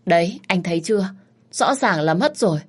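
A woman's voice: lowish voice, animated, normal speed, darkish tone, slightly rough. A woman voicing a scheming young mistress who insists indignantly she was robbed.

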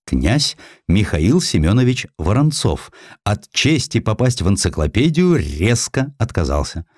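A man's voice: on the low side, big pitch swings, measured pace, dry recording, studio quality. A man delivering dramatic scripted narration of history as an audiobook narrator.

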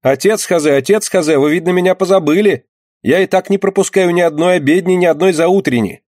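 A man voicing a sharp-tongued, pious young townswoman who scolds and accuses in a shrill way. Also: brisk, no room sound, studio quality. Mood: coaxing.

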